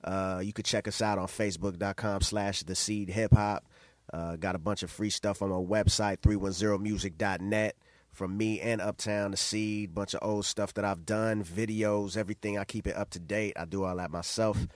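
A man talks as a guest on a casual podcast, easygoing and loose with his language. His voice sits low. The sound is dry, with no room around it. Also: level tone, moderate pace, dry recording. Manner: laid-back, swears freely. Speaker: guest rapper.

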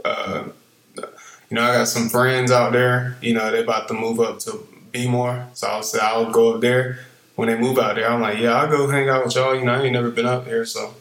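A man's voice: medium pitch, little pitch movement, normal speed, fairly bright tone, roomy sound, slight background noise, low-quality recording. A young man from Eastern North Carolina with a Southern accent, co-hosting a podcast in a laid-back, rambling way full of fillers. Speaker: podcast co-host. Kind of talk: casual podcast chat.

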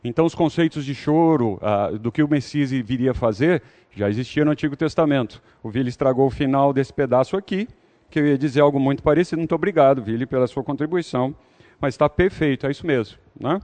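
A man's voice: mid-range voice, fairly quick, darkish tone. A man leading an interactive Bible study, talking conversationally and putting questions to the audience.

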